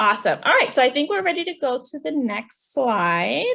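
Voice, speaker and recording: The speaker has an animated tone. The background is quiet. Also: woman. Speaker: trainer. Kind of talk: online training workshop.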